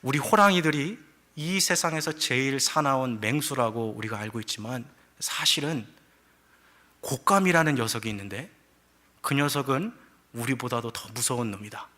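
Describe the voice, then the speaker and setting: A proud old tiger from a folktale, speaking gravely as the elder of his family, as a man puts him on. The voice is bright and earnest, with a storyteller's solemn weight. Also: medium pitch, normal speed, natural voice.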